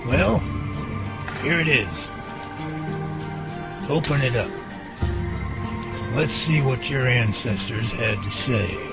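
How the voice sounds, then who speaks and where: An actor playing an earnest, curious man who leads a team of creature researchers in an audio drama, speaking deliberately. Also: medium pitch, expressive, vocal fry, over loud music. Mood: friendly, respectful. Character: earnest, curious male Bigfoot researcher leading his team.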